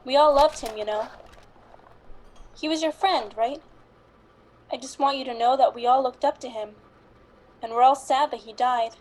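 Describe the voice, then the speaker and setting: A woman acts an earnest police colleague in mourning, her voice high. She speaks haltingly and apologetically, as in a small radio play. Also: natural voice, poor audio. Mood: earnest, sorrowful. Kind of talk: amateur radio drama acting.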